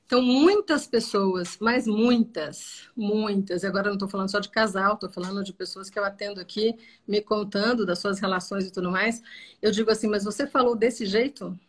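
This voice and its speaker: A woman's voice: mid-range voice, fairly quick. A Brazilian woman therapist giving a didactic, conversational talk to camera about marriage, acting out sample dialogues as she explains. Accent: Brazilian Portuguese.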